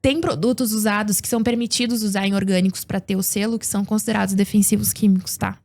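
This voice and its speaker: A woman's voice: mid-range voice, fairly even intonation, fast, darkish tone. A woman speaking as a guest agricultural producer, explaining things in a casual podcast chat and often tagging sentences with questions. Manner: explanatory, frequent tag questions.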